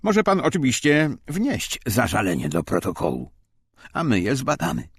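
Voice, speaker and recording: A man's voice: medium pitch, wildly swooping pitch, normal speed, slightly rough, no room sound, pitched above the performer's own voice, exaggerated voice. A man voicing an officious German police official, formal, courteous and condescending, in an audiobook. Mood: icily polite.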